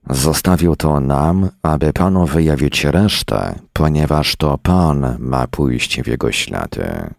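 A man voicing a weary, calm man who speaks in a tired, measured way. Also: a bass voice, vocal fry, no echo, clean studio sound, exaggerated voice. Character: weary calm older man, scientist type.

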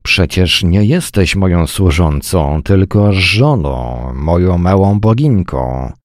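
A man's voice: low voice, lively intonation, slow, no room sound, clean studio sound. A man voicing a complacent, oblivious young husband who soothes and placates. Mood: placating.

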